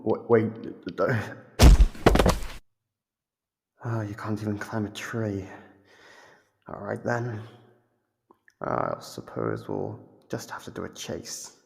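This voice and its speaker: Man voicing a gravelly, sadistic monster captor. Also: fairly low pitch, a little mellow, exaggerated voice. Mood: taunting. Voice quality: gravelly, husky. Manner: menacing, theatrical, musing aloud. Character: sadistic, playful male monster captor toying with human prey. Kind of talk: ASMR horror roleplay, monologue to listener.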